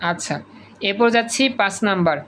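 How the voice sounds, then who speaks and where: A man's voice: high-pitched, a bit bright, a little hiss or hum. Bangladeshi man drilling pronunciation online. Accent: Bangladeshi Bengali. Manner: repeats words slowly to drill pronunciation; calls on students by name. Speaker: tutor. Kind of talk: online class lecture. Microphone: video call.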